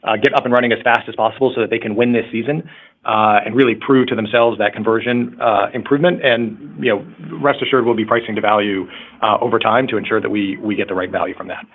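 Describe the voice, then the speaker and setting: A man, a company executive, answering questions on an earnings call in a halting way, repeating words. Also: fairly low pitch, fairly even intonation. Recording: muffled narrow-band conference call line.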